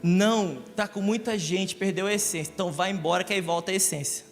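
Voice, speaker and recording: High, lively preacher. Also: male voice, a little fast, gravelly. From Rio de Janeiro, Brazil. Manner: lively, joking, asks the congregation questions. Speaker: pastor. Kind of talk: live Sunday sermon. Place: church service in a large hall. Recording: echoey church hall with music.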